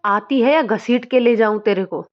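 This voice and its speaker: A woman's voice: fairly high pitch, normal speed, close to an everyday voice. A woman voicing a harsh scolding mother-in-law. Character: cruel shouting village mother-in-law. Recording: dull lo-fi recording.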